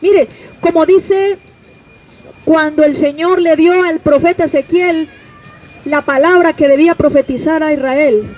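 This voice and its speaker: A woman's voice: sits high, fairly even intonation, unhurried, a little mellow, a little hiss or hum, poor audio. A Colombian woman preaching an open-air street sermon, pressing her listeners with rhetorical questions and direct address. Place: outdoors on a city street.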